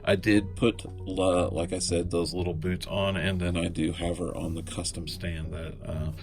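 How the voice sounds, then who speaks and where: A man's voice: low voice, level tone, moderate pace, music in the background. A man reviewing a collectible figure in a laid-back, rambling way, sounding congested from a cold. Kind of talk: casual unboxing review.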